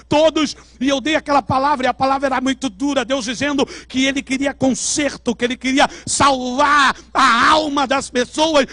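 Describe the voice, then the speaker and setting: A Brazilian man preaching as a pastor, telling his testimony dramatically and shouting at the peaks. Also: very high voice, dry recording. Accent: Brazilian Portuguese. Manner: dramatic storytelling, shouting at climaxes. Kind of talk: sermon testimony. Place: church service.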